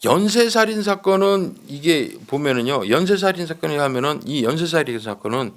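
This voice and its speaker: A man's voice: a little high, animated, fairly quick. A man giving conversational true-crime commentary like a seasoned investigator, explaining emphatically, repeating points and seeking agreement.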